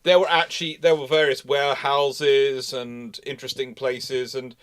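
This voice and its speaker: A man's voice: mid-range voice, level tone, moderate pace, a crowd in the background. A man hosting a live question session, explaining casually and emphatically, often restarting his phrases. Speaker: host answering live audience questions. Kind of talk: casual expert discussion, explanatory.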